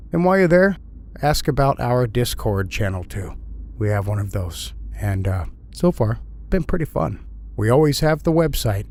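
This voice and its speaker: A man with a fairly low voice delivers podcast credits as the show's host and producer. His delivery is informal and conversational, like an announcement to regular listeners. Faint background noise sits behind him. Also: a little mellow. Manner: conversational, plugging links and credits.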